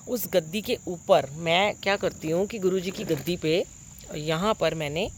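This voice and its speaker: A middle-aged woman telling a congregation about a dream. She sounds full of wonder and earnest, with lots of pauses and fillers, recorded on a phone propped nearby. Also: medium pitch, a little hiss or hum. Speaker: devotee sharing a dream with a congregation. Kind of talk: devotional storytelling.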